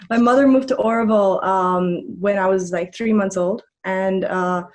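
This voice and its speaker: A young woman born in Germany, a podcast guest, speaking gently with hesitant "um"s and "uh"s. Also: medium pitch, steady tone, a little slow, noisy background. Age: young adult. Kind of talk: casual conversation.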